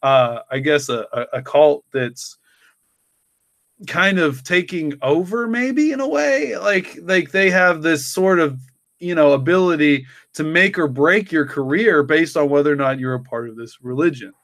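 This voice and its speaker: A man chatting casually as a story's co-creator, in a halting, rambling way that often repeats words. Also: fairly high pitch, a bit bright, dry recording, clean studio sound. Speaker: co-creator and writer discussing his story. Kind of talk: casual chat.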